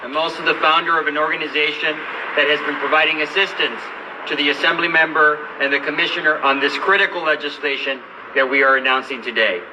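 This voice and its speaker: A man from Los Angeles, a lawyer and advocate, giving a measured, earnest speech at a press event. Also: a little high, steady tone. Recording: distant mic with light background noise.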